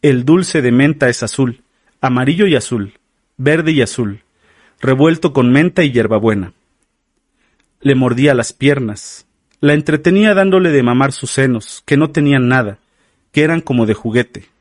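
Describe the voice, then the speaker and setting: A man narrating a literary audiobook in a slow, measured, somber way. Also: mid-range voice, animated, no echo, studio quality.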